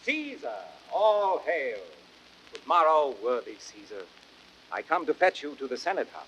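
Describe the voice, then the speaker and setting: A man's voice: fairly high pitch, big pitch swings, unhurried, fairly bright tone. A man playing a blunt, confident Roman conspirator and courtier in emphatic, declamatory Shakespearean style. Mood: deferential. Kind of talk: classic Shakespearean radio acting. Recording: noisy old audiodrama record.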